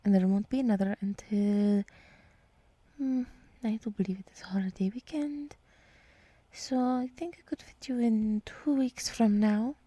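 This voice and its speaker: A woman voicing a gentle, soothing deer woman who guides meditation in a whispered ASMR roleplay, speaking softly and reassuringly close to the microphone. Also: medium pitch, no room sound, close to an everyday voice. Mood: gently teasing. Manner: slow, soft, breathy, reassuring. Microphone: close microphone, dry.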